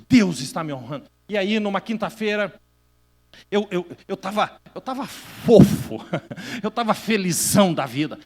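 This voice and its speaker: A middle-aged Brazilian man preaching from the pulpit, his voice sitting high for a man. He tells his story with animated swings between loud bursts and hushed asides, and a long church-hall reverb trails every phrase. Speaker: pastor. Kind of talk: sermon.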